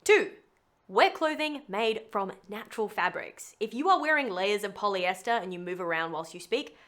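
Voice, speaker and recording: A woman's voice: medium pitch, lively intonation, normal speed, a bit bright. Playful woman presenting a tutorial. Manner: chatty, playful, with wry asides. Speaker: voice actor giving a tutorial. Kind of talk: scripted tutorial narration.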